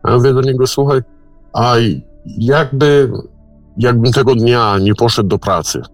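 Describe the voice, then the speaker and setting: A man telling a personal story in casual speech, halting, with repeated words and restarts. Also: mid-range voice, fairly even intonation, no room sound, faint music behind.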